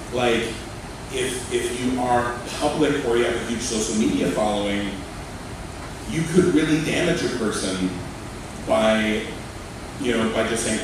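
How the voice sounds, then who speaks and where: A man moderating a live panel on a stage, speaking into a handheld mic in a rambling, friendly, self-deprecating way. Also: mid-range voice. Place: stage in a large auditorium. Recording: echoey hall, distant mic, noisy.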